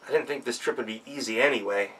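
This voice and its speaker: A man's voice: medium pitch, fast talker, fairly bright tone, breathy edge, distant mic, voice pushed down, low-quality recording. A man voicing a brave young girl on a quest, talking in an eager, pleading way.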